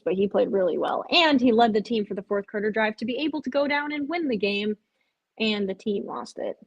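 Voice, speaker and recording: A woman's voice: mid-range voice, slightly rough, poor audio. A woman hosting a live stream, chatting casually with viewers, sounding tired and rambling. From Chicago area. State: drowsy, yawning.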